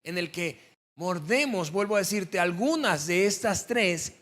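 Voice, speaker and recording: A man delivers a sermon to his congregation in a conversational way, with a voice pitched a little above the usual for men. He speaks as if talking with each listener, then presses hard on the words he wants to stick. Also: animated, measured pace, a bit bright. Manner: conversational preaching, rising to emphatic stress on key words. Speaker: pastor.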